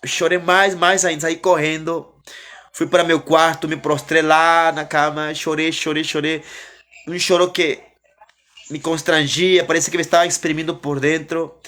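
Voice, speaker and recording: A man giving an emotional religious testimony as a preacher, fervent and repetitive, often rising and then falling soft. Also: a little high, little pitch movement, normal speed.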